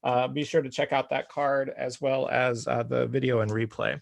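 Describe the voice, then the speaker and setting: A man hosts a craft show chat over a video call, asking his guest questions between steps. His voice is mid-pitched with a gravelly edge. He sounds upbeat and leans on lots of "uh" fillers. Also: fairly even intonation, normal speed. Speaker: host. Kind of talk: casual interview while crafting.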